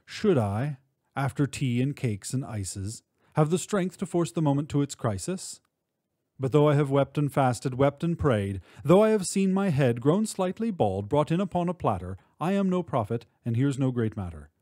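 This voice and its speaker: A man giving an expressive, measured recitation of literary poetry, drawing out words for emphasis. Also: medium pitch, no room sound, clean studio sound. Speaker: poetry reader.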